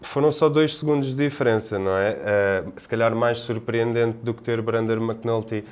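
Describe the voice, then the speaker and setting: A man with a European Portuguese accent offers casual sports analysis as a podcast panelist, speaking in a halting, discursive way. His voice is medium-pitched, steady in tone, and smooth.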